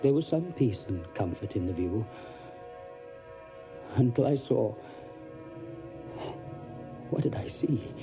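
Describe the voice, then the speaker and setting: Nervous english lawyer in an audio drama, fretful broken phrases, scared n earnest, kinda muffled recording w loud music. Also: male voice, medium pitch, animated. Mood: haunted, fearful. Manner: halting, fretful, earnest, breaking phrases with dread. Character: anxious English solicitor, a haunted, frightened male guest. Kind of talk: audio drama acting with diary narration.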